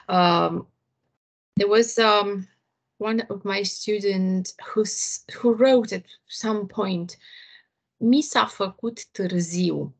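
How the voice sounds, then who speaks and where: Romanian accent woman lecturing over video call, slow, kinda creaky, lots of ums and restarts. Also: mid-range voice. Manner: hesitant, many fillers and restarts. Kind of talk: online lecture to colleagues.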